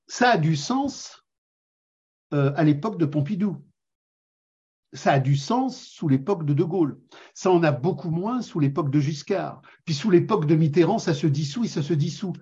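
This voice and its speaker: An older man with a husky, fairly high voice lectures emphatically. He piles up lists and repeats phrases for force. The sound is dull and lo-fi. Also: dark tone. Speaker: guest. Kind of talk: political discussion.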